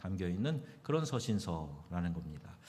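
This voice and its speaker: A man at a moderate pace, with very wide pitch swings and audible room echo. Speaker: pastor. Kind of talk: sermon.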